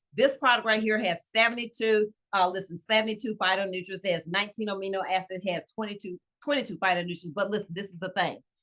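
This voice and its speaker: Speaking very fast with a Southern US accent, a woman uses a bright, sharp, animated tone at a medium pitch with ordinary pitch variation. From Louisiana. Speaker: network marketing presenter. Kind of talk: sales pitch.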